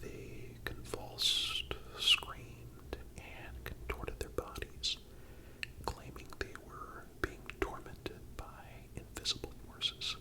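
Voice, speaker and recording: A person whispering a scripted historical narration in a calm, deliberate ASMR style, breathy and broken by frequent pauses. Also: low-quality recording. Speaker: host and narrator.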